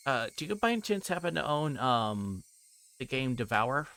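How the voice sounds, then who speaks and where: A man livestreaming a visual novel, reading it aloud and chatting to viewers in a hesitant, halting way. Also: mid-range voice, big pitch swings, sharp tone.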